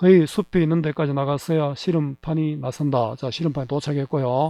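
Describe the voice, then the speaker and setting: With a dark, mellow tone and a fairly high pitch, a man talks at a moderate pace with ordinary pitch variation, the sound dry and close with no echo over a quiet background. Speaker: Korean language teacher. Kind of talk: lecture explaining a literary text, with read-aloud passages.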